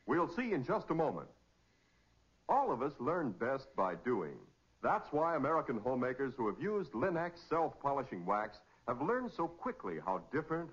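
Animated, husky vintage male radio announcer. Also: medium pitch. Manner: polished, declamatory. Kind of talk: 1940s radio announcing, scripted teaser and sponsor pitch. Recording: dull 1940s radio recording.

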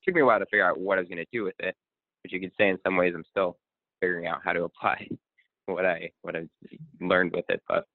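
A man from Connecticut, a guest speaker and coach, talking in a relaxed, rambling way with many ums. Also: sits low, fast, no room sound. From Connecticut, USA. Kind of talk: casual interview. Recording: tinny phone-line sound.

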